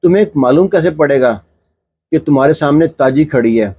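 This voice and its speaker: A man's voice: a little high, warm tone, slightly rough. A man voicing a bold, headstrong teenage village girl who talks bluntly and teasingly, read within a told story. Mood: brazen.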